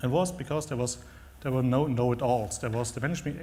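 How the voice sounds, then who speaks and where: With vocal fry and ordinary pitch variation, a man speaks at a very fast pace amid audible room echo. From Germany. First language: German. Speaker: software developer, conference speaker. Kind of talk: conference talk. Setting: stage with audience. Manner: halting.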